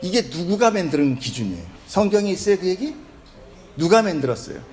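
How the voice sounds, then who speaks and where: A man's voice: high voice, sing-song, fairly quick, a little mellow. A man preaching a sermon as pastor, emphatic and often putting questions to the congregation. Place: church service in a hospital.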